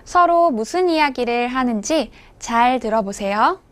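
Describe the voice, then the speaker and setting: High-voiced, slow-speaking woman teacher. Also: expressive. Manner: clearly enunciated, measured. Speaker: language teacher. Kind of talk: scripted instructional narration.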